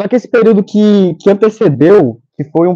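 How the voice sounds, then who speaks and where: With a Minas Gerais accent, a man talks in a dark, mellow tone with lively intonation. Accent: mineiro Brazilian Portuguese. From Minas Gerais, Brazil (Belo Horizonte, east zone). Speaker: graduating sociology student. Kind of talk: academic presentation. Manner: casual, chatty.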